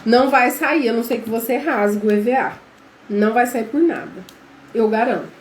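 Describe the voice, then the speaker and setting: This Brazilian woman, whose voice is fairly high and moderately paced, runs a live online class. Her accent is Brazilian Portuguese, and she is chatty, addressing viewers as "gente" and quizzing them. The space sounds echoey, with faint noise in the background.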